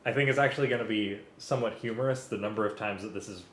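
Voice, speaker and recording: A man's voice: lowish voice, racing, slight background noise. A man reading a script aloud and directing a music rehearsal. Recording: echoey room, loud live string music. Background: loud violin and string music.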